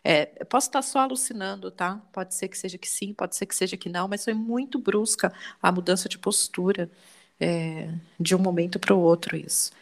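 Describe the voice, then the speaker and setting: A woman's voice: normal speed, gravelly. A middle-aged Brazilian woman telling a personal story on a podcast, acting out the dialogue as she goes. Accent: Brazilian Portuguese. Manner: animated, quotes dialogue with rising pitch. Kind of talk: casual storytelling.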